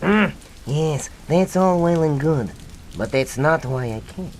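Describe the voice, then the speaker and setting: A woman's voice: sits low, lively intonation, takes it slowly, a little mellow, slight background noise. An actress playing a grandiose, haughty female mad scientist in a comic radio drama, theatrical, sneering and menacing.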